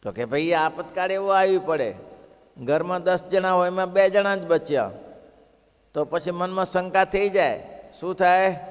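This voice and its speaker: Casting: male preacher, somewhat high voice, expressive storyteller who acts out villagers, recorded with a long hall echo. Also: a little slow, clear, resonant tone. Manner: expressive, rhetorical questions, acts out quoted villagers. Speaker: religious discourse speaker. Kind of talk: devotional sermon with storytelling.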